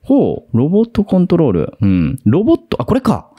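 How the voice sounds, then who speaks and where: Excitable man with wildly swinging pitch. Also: brisk. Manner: excitable, loud jumpy reactions. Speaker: horror game streamer. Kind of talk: game commentary.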